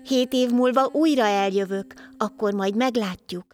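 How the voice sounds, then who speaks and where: A woman voicing Life, a wandering healer, in a calm, measured storybook voice. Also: fairly high pitch, lightly acted.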